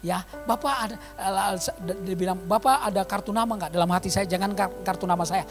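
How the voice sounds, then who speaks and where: A man in his fifties preaching a sermon in a church, telling stories and swinging from quiet asides to loud calls. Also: sits high, brisk. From eastern Indonesia. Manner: animated storytelling, swings from quiet to shouting. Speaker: pastor. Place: church hall. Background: music.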